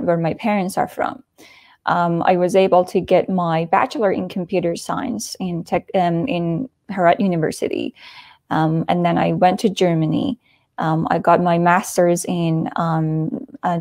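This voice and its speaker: Earnest woman speaker, low dry voice. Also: a little mellow, dry recording. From Afghanistan. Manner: earnest, frequent "um" fillers. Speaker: conference speaker. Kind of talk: prepared talk over video call. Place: small indoor room with wood panelling. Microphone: earphone headset mic on video call.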